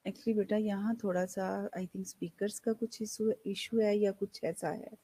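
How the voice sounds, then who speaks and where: Slow-speaking hoarse woman lecturer. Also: mid-range voice, fairly even intonation, warm tone, poor audio. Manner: slow, deliberate explaining that mixes English and Hindi. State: slightly hoarse throat. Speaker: nursing lecturer. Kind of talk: online class lecture.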